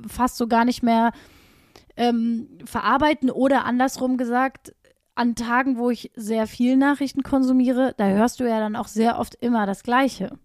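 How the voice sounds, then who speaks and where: A woman talks in a relaxed, conversational way on a podcast, stringing examples together. Her voice is fairly high. The sound is dry and close. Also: normal speed, dry recording. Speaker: podcast co-host. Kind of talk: casual podcast chat.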